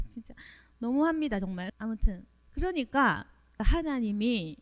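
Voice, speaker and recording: A woman's voice: on the high side, animated, measured pace. A woman preaching at a Friday prayer meeting, emphatic and full of rhetorical questions, acting out the voices she quotes.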